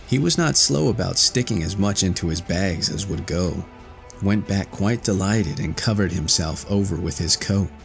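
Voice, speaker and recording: A man with a low voice narrates a classic fairy tale as an audiobook. He reads from a script in storybook style, with faint music playing behind him. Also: lively intonation, moderate pace, gravelly.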